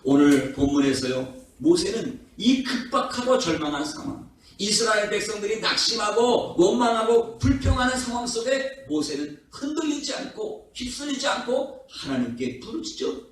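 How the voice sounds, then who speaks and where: High-pitched pastor preaching in an echoey hall. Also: male voice, sing-song, normal speed. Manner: rising, impassioned preaching with rhetorical questions. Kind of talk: revival sermon. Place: prayer house worship hall. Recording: echoey hall from far off, faint noise.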